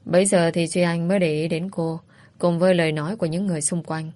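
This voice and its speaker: A woman reading a drama story aloud in a steady, even narration. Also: on the low side, fast.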